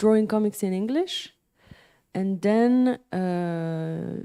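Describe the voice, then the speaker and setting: At a very slow pace, a woman with a Belgian French accent speaks at a medium pitch in a dark, mellow tone. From Brussels, Belgium. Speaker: comics artist. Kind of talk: panel discussion.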